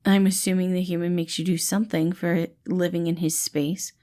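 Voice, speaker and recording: A woman's voice: fairly low pitch, level tone, moderate pace, warm tone, natural voice. A woman voicing a wary, protective tiny man in a storybook, speaking in a curt, reluctant way. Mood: suspicious, guarded. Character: wary, guarded tiny male borrower, protective and terse.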